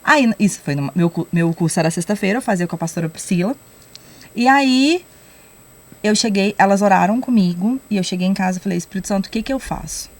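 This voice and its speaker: A young adult woman telling a personal faith testimony on a podcast, lively and acting out the lines she quotes. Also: mid-range voice, fairly quick. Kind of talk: casual testimony storytelling.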